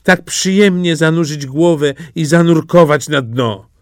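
A man's voice: on the high side, measured pace, no room sound, clean studio sound, pitched above the performer's own voice, close to an everyday voice. A man voicing a shy, wistful ugly duckling in a storybook, speaking in a timid, pleading way.

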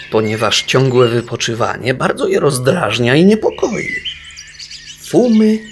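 A man narrating a storybook in a wry, measured way. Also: medium pitch, background noise. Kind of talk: storybook reading.

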